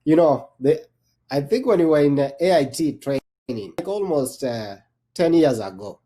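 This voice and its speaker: Panel guest, Kenyan-born male veteran; dark tone, loose delivery full of restarts. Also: a little high, expressive, moderate pace. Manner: rambling, many restarts and fillers. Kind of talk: panel discussion.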